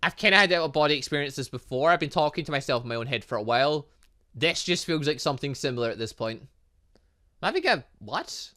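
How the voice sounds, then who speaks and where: Reading game dialogue aloud during a playthrough, this male gaming host reacts in a theatrical, exclamatory way. His voice is a little high, animated, fast, and sharp in tone.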